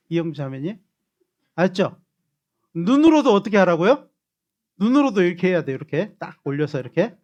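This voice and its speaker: A man preaching as pastor, coaxing his congregation into greetings before closing in prayer. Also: high voice. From Korea. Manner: animated, coaxing the congregation to repeat gestures.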